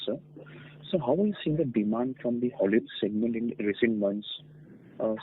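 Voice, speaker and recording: A man asking questions on a conference call over a phone line, polite and hesitant, with many fillers. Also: lowish voice.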